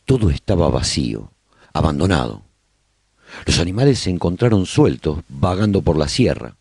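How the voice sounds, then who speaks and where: A man acting as a survivor of a collapsed world tells his story in a radio drama. His voice is low and husky, with melody that rises and falls freely as he addresses listeners directly. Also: big pitch swings, moderate pace, a little mellow, dry recording, clean studio sound, heavily acted. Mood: reflective storytelling. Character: male survivor broadcasting his community's story after humanity's collapse.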